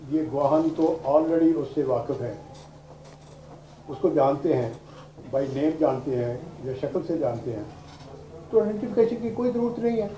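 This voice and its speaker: A man's voice: fairly high pitch, mellow. Older Pakistani man lecturing, roomy distant sound. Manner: deliberate, explanatory, rhetorical questions, mixes in English terms. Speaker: law lecturer, retired judge. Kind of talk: lecture to law students. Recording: roomy, distant microphone, noisy background.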